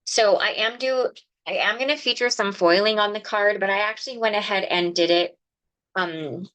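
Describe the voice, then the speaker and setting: Woman, craft livestream host, mid-pitched, chatty, explaining as she works, slightly sniffly. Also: normal speed, a bit bright. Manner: chatty, explanatory, talks to viewers by name. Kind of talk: casual live craft demonstration.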